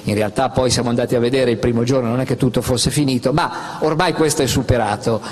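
A middle-aged man presenting his book on a festival stage into a handheld microphone, animated and gesturing, with frequent fillers. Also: mid-range voice, fast, big-room sound. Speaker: author at a book talk. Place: outdoor festival stage with audience.

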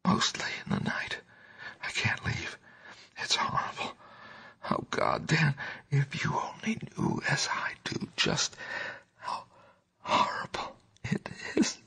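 A man's voice: mid-range voice, wildly swooping pitch, takes it slowly, creaky, long pauses, bright, forceful tone, husky, pitched above the performer's own voice, exaggerated voice. A man voicing a terrified, hysterical man raving in cosmic panic, gasping, crying out and whispering, in a horror audiobook. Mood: feeble despair. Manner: shrieking and gasping, breaking into feeble whispers.

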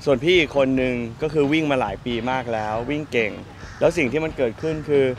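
A man in his thirties chatting in a friendly, halting way to press microphones at an outdoor park event. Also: mid-range voice, soft background music. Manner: friendly, pausing, polite particles. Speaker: celebrity guest at a charity run. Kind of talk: casual press interview. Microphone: press microphones held close.

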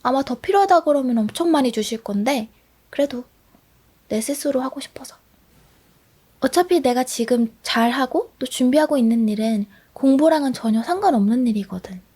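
Woman doing a breathy, teasing schoolgirl in whispered role-play. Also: high voice, expressive, warm tone. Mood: playful. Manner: teasing, talkative, rapid questions. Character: bold chatty cheerful teenage schoolgirl, bottom of class.

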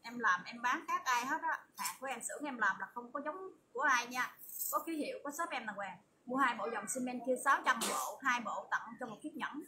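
A woman with a southern Vietnamese accent giving a chatty, repetitive livestream sales pitch as an online shop seller. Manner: chatty, repetitive, emphatic assurances. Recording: distant mic with loud background noise.

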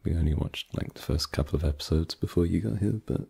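Low, creaky, very dark voice with a breathy husk, a man acting as a laid-back young boyfriend, stumbling through "um"s and "like"s and slipping into playful teasing, ASMR roleplay. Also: fast, exaggerated voice. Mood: relaxed. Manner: hesitant, filler-heavy, teasing. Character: easygoing young adult boyfriend hosting friends.

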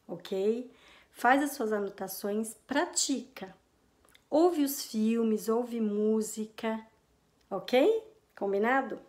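Brazilian lady giving a casual english lesson, slow and chatty, keeps asking ok? combinado?. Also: fairly high pitch. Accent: Brazilian Portuguese. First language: Portuguese. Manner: chatty, checks in often with "ok?" and "combinado?". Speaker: English teacher.

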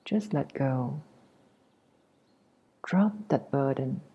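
A woman leading a guided meditation as a teacher, speaking gently with long pauses in a soft, breathy voice that nears a whisper. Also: very deep voice, expressive, phone-quality sound. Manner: gentle, unhurried, long pauses between short phrases.

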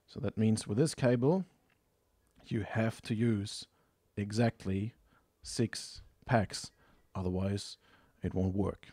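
Low-voiced man giving a measured tutorial. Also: dark tone, slightly rough, dry recording. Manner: methodical, explanatory, matter-of-fact. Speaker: tutorial presenter. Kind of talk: hands-on instructional narration.

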